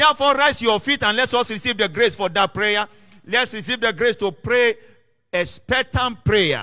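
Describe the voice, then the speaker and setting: A man raises and projects his high, bright, sharp voice, speaking at a moderate pace with lively intonation in a very clean recording with a silent background. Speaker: prayer leader. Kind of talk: fervent group prayer leading. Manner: fervent, commanding.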